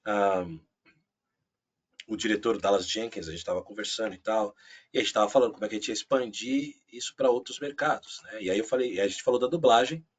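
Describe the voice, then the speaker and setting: A man with a Brazilian Portuguese accent, a voice actor chatting casually as an interview guest, animated and full of asides. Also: fairly low pitch, fairly quick, breathy edge. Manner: animated, frequent fillers and asides.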